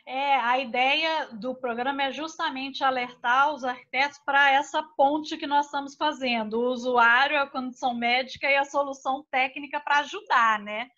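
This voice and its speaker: A woman's voice: high voice, steady tone, normal speed, hardly any pauses, sharp tone, highs cut off. A woman host who is an architect, chatting with experts and often adding tag questions. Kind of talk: hosted expert conversation.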